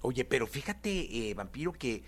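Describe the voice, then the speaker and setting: A man's voice: medium pitch, big pitch swings, normal speed. A man hosting an interview, affirming and prompting his guest. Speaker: interviewer host. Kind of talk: interview questions.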